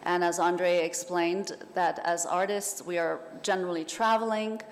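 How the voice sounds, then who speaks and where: A woman whose first language is Persian, a writer speaking as a panel guest in a thoughtful, measured way. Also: on the low side, little pitch movement. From Iran. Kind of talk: festival panel talk. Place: hall at a literature festival. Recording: hall reverb, faint noise.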